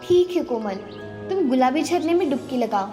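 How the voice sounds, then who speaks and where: A woman voicing a kind forest fairy queen who speaks gently and soothingly in an animated storybook. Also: sits high, normal speed, faint music behind. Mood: gentle.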